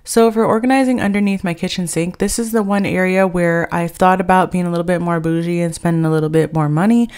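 Low-pitched American woman, rambling chat. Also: steady tone, quick pace, hardly any pauses, a little mellow, soft background music. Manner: rambling, conversational. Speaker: vlogger. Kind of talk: casual chatty vlog voice-over.

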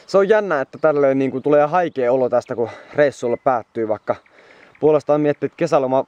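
A man's voice: medium pitch, dry recording, muffled recording. Tired young man rambling while riding. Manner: rambling, chatty, swears often, tired. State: exhausted. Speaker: vlogger on a moped trip. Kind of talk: casual travel vlog to camera.

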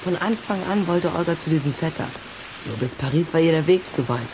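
A man playing an earnest, loyal, quick-witted boy in a children's radio play, sometimes hesitant. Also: fairly high pitch, expressive, background noise, lightly acted. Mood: bluffing. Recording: clear background rain ambience.

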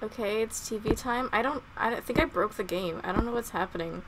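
A woman's voice: a little high, brisk, very noisy. A young woman on a headset mic, playing a horror game and commenting nervously, laughing and asking questions. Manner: nervous, giggly, full of questions. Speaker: gaming streamer.

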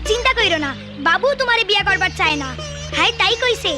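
A bright little village girl. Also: very high-pitched, expressive, quick pace, music in the background.

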